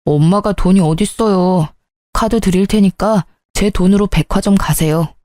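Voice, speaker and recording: A woman voicing an earnest young adult son who turns sharp and irritable, speaking in clipped, pleading sentences. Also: medium pitch, normal speed, dry recording, clean studio sound, natural voice.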